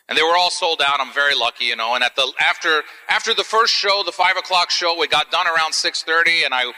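A man from Palestine hosting a live event, telling a stand-up story in an animated, wry, punchy way. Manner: animated, wry, punchy delivery with swings in pitch. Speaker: comedian and event host. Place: large church hall. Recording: live hall with long reverb.

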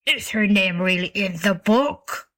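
A woman voicing a hungry male grizzly bear in a storybook reading, speaking slowly and low, half-whispered. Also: a bit bright, natural voice. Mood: grumbling.

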